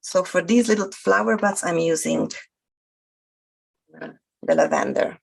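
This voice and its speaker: A woman from Hungary, speaking English with a Hungarian accent, calmly demonstrating a craft technique with frequent hesitations. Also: lowish voice, creaky. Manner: hesitant, many fillers, explains steps slowly. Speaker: guest crafter.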